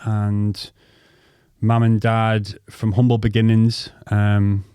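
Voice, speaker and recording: A man's voice: fairly low pitch, monotone, takes it slowly, warm tone, clear, resonant tone, no room sound, clean studio sound. A man in his thirties from North East England with a North East accent, co-hosting a podcast and telling life stories in a rambling, swearing way, full of ums and restarts. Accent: North East English. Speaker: podcast co-host. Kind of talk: casual storytelling chat.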